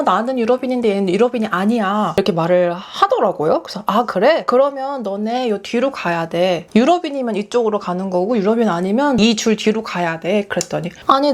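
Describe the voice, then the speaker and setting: A young woman vlogger chatting through a story while doing her makeup, acting out what other people said. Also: mid-range voice. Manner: animated storytelling, acting out quoted voices. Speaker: beauty vlogger.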